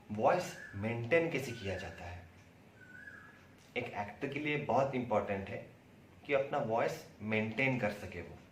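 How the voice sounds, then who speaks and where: A man with an Indian accent giving an instructional lecture, explaining things by asking questions and answering them himself. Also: on the low side. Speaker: acting instructor. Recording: roomy echo, distant mic, faint noise.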